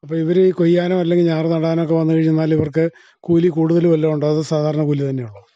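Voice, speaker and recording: A man's voice: fairly high pitch, flat delivery, fast talker, dry recording. A man with a Kerala accent working as a radio interviewer, asking conversational, inquisitive questions and checking the answers. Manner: inquisitive, often ends with confirming tag questions. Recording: dull, band-limited dry radio recording.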